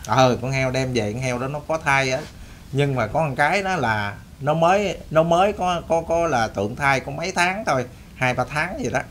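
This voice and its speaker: A man's voice: medium pitch, lively intonation, normal speed, a bit bright, slight background noise. A man with a Southern Vietnamese accent telling a story to his audience in a rambling, folksy way, repeating and restarting phrases. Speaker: storyteller host. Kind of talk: casual spoken storytelling to an audience.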